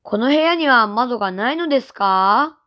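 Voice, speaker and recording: A woman with a fairly high voice reads translations slowly and plainly, one line at a time. The recording is dry and close, with no room sound. Her delivery is measured and steady. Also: no room sound, lo-fi sound. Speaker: translation reader. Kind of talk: reading translations for learners.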